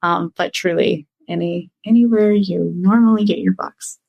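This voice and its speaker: A woman who is a professor, talking as a podcast guest and explaining her work in a measured way. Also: on the low side, steady tone, creaky, husky, no echo, lo-fi sound. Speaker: guest, business school professor. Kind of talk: casual interview talk.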